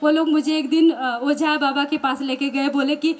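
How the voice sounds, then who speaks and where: A woman with a high, bright voice tells her own faith testimony as a religious sister. She tells it as a story, slipping into the voices of the people in it. She breaks into light laughter along the way. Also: steady tone, moderate pace. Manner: storytelling, acting out quoted voices, laughing now and then.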